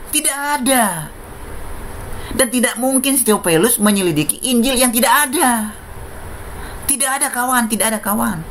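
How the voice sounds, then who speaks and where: A woman's voice: mid-range voice, a little hiss or hum. A woman commenting on a debate clip, scornful and mocking, repeating sarcastic phrases.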